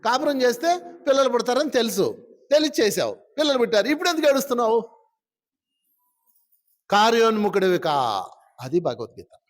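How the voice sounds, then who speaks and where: Male spiritual teacher, high voice, plain teasing delivery, quizzes his listeners nonstop. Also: sing-song, a little fast, long pauses. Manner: keeps asking the audience questions. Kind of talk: teaching a live audience.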